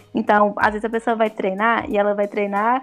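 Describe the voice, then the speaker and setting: A woman speaks at a moderate pace in a fairly high pitch, with flat, monotone intonation. Music plays in the background. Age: 20s. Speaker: nutritionist. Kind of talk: podcast interview.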